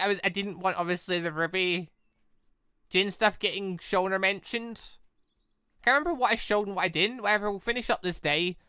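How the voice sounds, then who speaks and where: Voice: mid-range voice, sharp tone, smooth, no room sound, studio quality. A gaming video creator giving casual, rambling let's play commentary and talking to themselves. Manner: rambling, talks to self.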